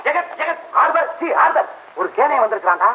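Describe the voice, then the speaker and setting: Film role: a cheeky club attendant, wheedling, lively high voice, faint hiss. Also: male voice, fairly quick, heavily acted, rough recording. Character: fawning, chatty male club attendant.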